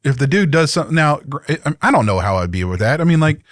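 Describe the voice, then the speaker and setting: A man co-hosting a podcast, speaking in a hesitant, measured way with frequent restarts in casual political chat. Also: on the high side, big pitch swings, no echo, studio quality. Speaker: podcast co-host.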